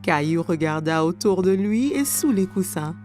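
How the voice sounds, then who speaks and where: A woman narrating a scripted story for young children in a clear storytelling manner. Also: fairly low pitch, expressive, normal speed, darkish tone, soft background music.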